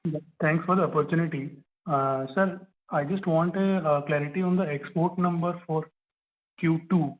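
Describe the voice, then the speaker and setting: A man's voice: fairly high pitch, steady tone, moderate pace. A man with an Indian accent asking financial questions as an analyst on a call. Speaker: analyst caller. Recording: narrow telephone line.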